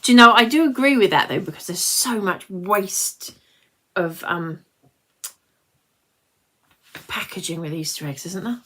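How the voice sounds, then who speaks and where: Her medium-pitched voice is bright and forceful, delivered at a measured pace with long pauses. She is a British woman in her late forties, nearly fifty, hosting a live craft tutorial, chatting and rambling as she stops to address viewers.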